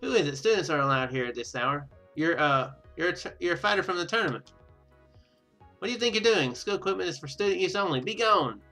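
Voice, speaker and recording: A man's voice: high-pitched, expressive, fast, bright, forceful tone, faint music behind, full character voice. A man voicing a stern, officious female student in a game, scolding and accusatory. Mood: indignant.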